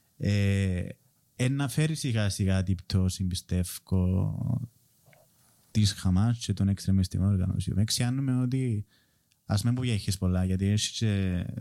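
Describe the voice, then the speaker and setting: Fairly low in pitch, a man talks at a fairly slow pace with long, frequent pauses in a dark, mellow tone. The recording is very clean, with a silent background. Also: ordinary pitch variation, very even loudness. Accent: Cypriot. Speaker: podcast co-host. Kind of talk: casual discussion.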